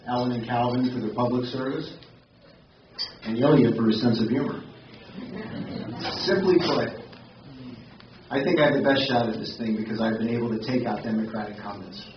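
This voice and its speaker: A man's voice: mid-range voice, moderate pace, long pauses, background noise. A man giving a pointed campaign speech at a forum. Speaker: candidate at a forum. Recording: echoey hall, far mic, muffled.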